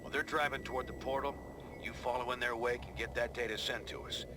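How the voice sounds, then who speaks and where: A male actor plays a no-nonsense team commander in a video game. He gives briefings bluntly and casually, in charge, with a mid-range voice. There is clear background noise. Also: medium pitch, fairly even intonation, quick pace, close to an everyday voice. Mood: brisk, blunt.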